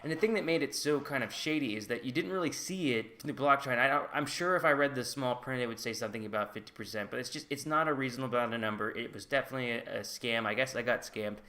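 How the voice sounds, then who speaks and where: Fast and with few pauses, this man's mid-range voice has a sharp edge. He's a native English speaker from the United States vlogging to camera, openly relating his own experience while hedging with "like" and "I guess" in a chatty way.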